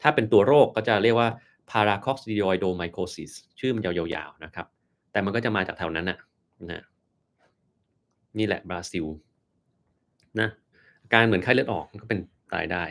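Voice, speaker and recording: A man, a doctor, chatting casually on a live stream as he answers viewer questions, explaining at an unhurried pace with many fillers and pauses. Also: on the low side, gravelly.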